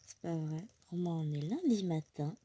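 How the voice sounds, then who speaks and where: A woman's voice: sits low, lively intonation, moderate pace, dark tone, a little hiss or hum. A woman in her thirties with a cold, chatting casually at home while she stitches, rambling and correcting herself as she goes. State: has a cold. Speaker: crafting vlogger. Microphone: phone close by.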